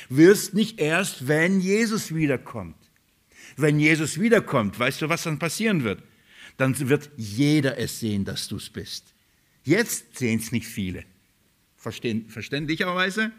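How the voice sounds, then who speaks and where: A man preaching a sermon, emphatic and direct, asking rhetorical questions and calling his listeners beloved. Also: a little high. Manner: emphatic, rhetorical questions, swings between loud stresses and quiet drops. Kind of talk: sermon on a Bible letter.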